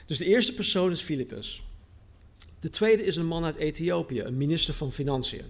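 Earnest preacher man, slightly high voice. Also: lively intonation. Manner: earnest, repeats phrases for emphasis, slows on key words. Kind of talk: sermon with scripture reading.

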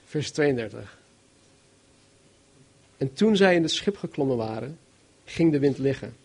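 A man preaching a sermon, reading Bible verses and explaining them in an animated, emphatic way, swinging between loud and soft. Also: mid-range voice, a little slow, vocal fry, slightly rough. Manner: animated, emphatic, varies loudness widely.

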